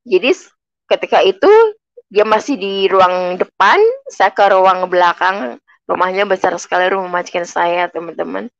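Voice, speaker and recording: A woman's voice: on the low side, fairly even intonation, normal speed, gravelly, no echo, muffled recording. A woman from Indonesia giving an earnest personal faith testimony, speaking to listeners as friends.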